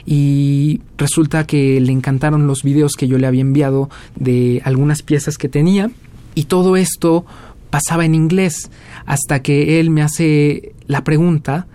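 A Mexican man in his twenties, a young jazz musician answering interview questions in a relaxed storytelling way with many fillers. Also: a little high, unhurried. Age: 20s. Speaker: guest musician.

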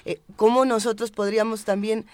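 A host asks long, reflective questions. The voice sits at a medium pitch, and the recording is close and dry. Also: little pitch movement, a little fast, a little mellow, no echo. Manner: thoughtful, asks long questions with everyday examples. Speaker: interviewer. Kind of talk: casual interview talk.

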